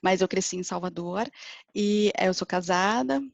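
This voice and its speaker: A woman's voice: medium pitch, moderate pace, vocal fry, no room sound. A Brazilian woman with a Brazilian Portuguese accent, a journalist guest, introducing herself hesitantly. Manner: hesitant, many fillers. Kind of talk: self-introduction on a live talk. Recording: dull dry call audio.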